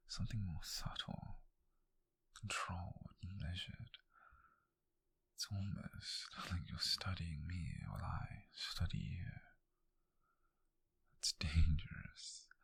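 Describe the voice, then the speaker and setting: Man acting a low, whispering British detective. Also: heavily acted. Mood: intrigued, distracted. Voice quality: breathy, husky whisper. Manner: slow, deliberate, brooding. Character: calm, menacing male detective, intrigued and possessive. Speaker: ASMR roleplay performer. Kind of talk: whispered ASMR roleplay.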